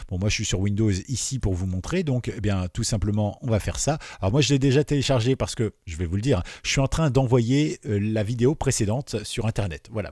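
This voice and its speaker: A man giving a relaxed, screen-recorded tutorial, chatty and digressive, with many fillers and repeated words. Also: fairly low pitch, slightly rough, dry recording, studio quality. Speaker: teacher.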